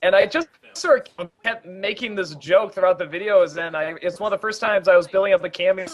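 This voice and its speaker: A man giving a casual film commentary, talking in a rambling, halting way with many restarts. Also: sits high, highs cut off.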